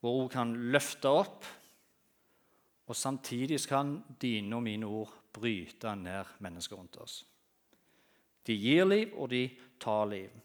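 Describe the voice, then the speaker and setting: Preaching as a guest in a church, a man with a mid-range voice tells funny stories in a lively way, swinging between loud and quiet.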